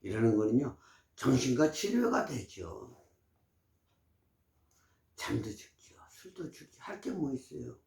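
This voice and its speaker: A man's voice: medium pitch, big pitch swings, unhurried, vocal fry, long pauses, darkish tone. A man in his sixties giving health advice in casual, emphatic, preachy talk to camera. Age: 60s. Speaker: vlogger. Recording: roomy echo.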